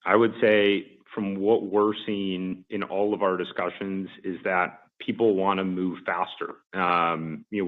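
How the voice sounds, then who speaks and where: A man speaking as a company executive, giving measured, businesslike answers on an earnings call. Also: sits low. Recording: muffled phone-like conference line.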